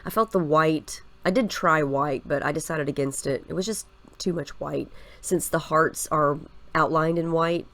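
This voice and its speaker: Speaking at normal speed in a deep voice, a thirtysomething woman with a head cold sounds stuffy and scratchy as she hosts a scrapbooking video. Her casual narration is chatty and relaxed, walking through every step with filler words.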